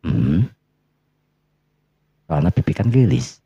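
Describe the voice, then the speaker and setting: A man voicing a shy, hesitant young man in love, soft and halting, with a Sundanese accent, in a story. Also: deep voice, very animated, husky, no room sound, heavily acted. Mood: shy, tender. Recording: muffled, lo-fi recording.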